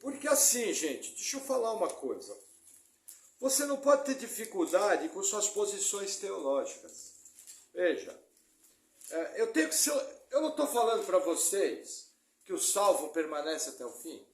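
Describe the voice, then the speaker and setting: A male pastor delivers a lively sermon, slipping into jokes and acted-out quotes from his congregation. His voice sits high for a man. The sound rings around a roomy church hall. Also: normal speed. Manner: lively, joking preaching with mimicked congregation quotes.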